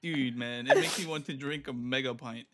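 A man's voice: mid-range voice, moderate pace, fairly bright tone. A young man playing a game with a friend, chatting casually and teasing him with laughing banter. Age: young adult. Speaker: guest co-player. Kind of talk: casual gaming chat.

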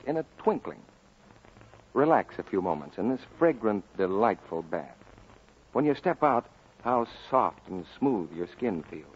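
A man's voice: mid-range voice, breathy edge. A man announcing in the style of a 1940s radio commercial. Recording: muffled old 1940s radio recording.

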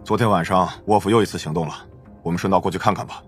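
An actor playing a brisk, businesslike male police inspector in an audiobook drama. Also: deep voice, steady tone, faint music behind, close to an everyday voice.

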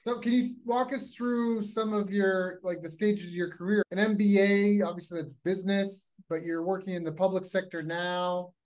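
High-voiced male podcast host. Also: fairly even intonation, normal speed, hardly any pauses, darkish tone. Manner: casual, brief prompts. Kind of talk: interview questions.

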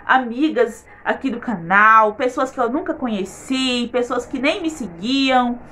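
A woman's voice: on the high side, unhurried, sharp tone. A woman giving an earnest faith testimony in her vlog, repeating words for emphasis.

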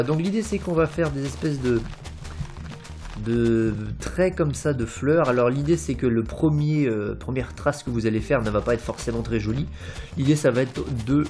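A young man talks through a building tutorial in an easy, rambling way. His voice sits at an ordinary middle pitch, and he drops in fillers and small "hop" sounds as he places things. Faint music plays underneath. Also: a little mellow. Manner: rambling and informal, many fillers and "hop", playful. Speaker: Minecraft building tutorial host. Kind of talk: casual gameplay tutorial narration. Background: faint background music.

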